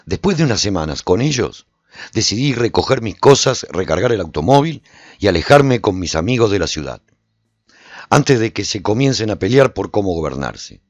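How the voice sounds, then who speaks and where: Deep husky-voiced male storyteller. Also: moderate pace, no echo. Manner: expressive storytelling. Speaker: narrator. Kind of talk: scripted radio drama narration. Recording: dull lo-fi recording with faint music.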